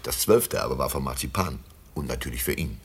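A man's voice: very deep voice, animated, a little fast, slightly rough, heavily acted. An actor playing a jovial, worldly traveling businessman in a German radio play, opinionated and fond of anecdotes and maxims. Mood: genial storytelling.

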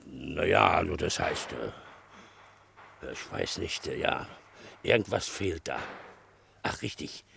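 Garage attendant, extremely creaky voice, swooping intonation, obliging but hesitant, radio crime drama. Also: male voice, rumbling low, sing-song, slow pace, pauses often, a bit bright, a little hiss or hum, full character voice. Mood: hesitant, musing. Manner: rambling, deferential. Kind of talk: German crime radio play acting.

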